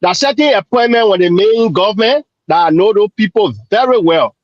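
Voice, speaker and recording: High-voiced man on a dull call line. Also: animated, fairly quick, dry recording. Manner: conversational, loose, repeats himself. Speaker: remote co-panelist. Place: joining remotely, off camera.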